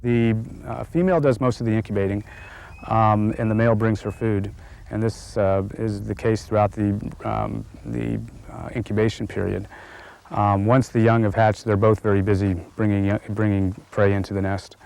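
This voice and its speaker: A man speaking as a field biologist in a nature documentary, explaining informally and haltingly in unscripted talk. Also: on the low side, steady tone, vocal fry, a little mellow, rough recording.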